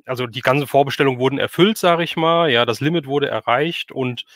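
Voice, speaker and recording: Man, medium pitch, livestream host, casual fan chat, colloquial and chatty, dry room-free sound. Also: a little fast, a bit bright, no echo.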